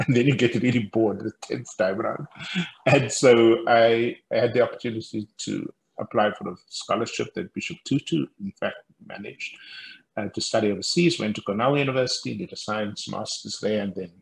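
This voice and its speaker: Gravelly older man telling stories. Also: lowish voice, moderate pace, rough recording. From South Africa. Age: 60s. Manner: animated, anecdotal, laughs often, gestures while talking. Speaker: guest speaker, professor. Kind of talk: storytelling interview on a video call. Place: room at home, indoors. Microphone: headset on a video call.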